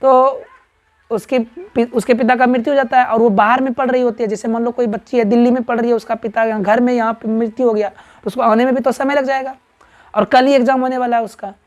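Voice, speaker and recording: A man's voice: very high voice, flat delivery, fast talker. A man with a Bihari Hindi accent teaching a grammar lesson to a class, firing questions at students and checking with them constantly. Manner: quizzes students in call-and-response, keeps asking "right?".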